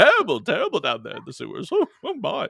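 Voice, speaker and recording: A man's put-on character voice, extremely high in pitch, at a very fast pace. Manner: hesitant, stammering.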